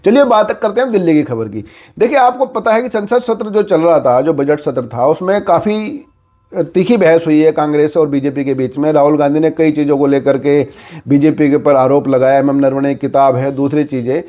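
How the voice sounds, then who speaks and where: A man's voice: a little high, a little fast, mellow. A man giving informal political news commentary, explaining conversationally with repeated filler phrases.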